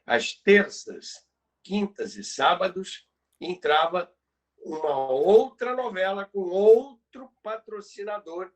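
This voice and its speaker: Here a Brazilian man presents on the history of radio, his voice sitting high and his delivery slow. The tone is an informal lecture: didactic explanations, with repeated phrases for emphasis.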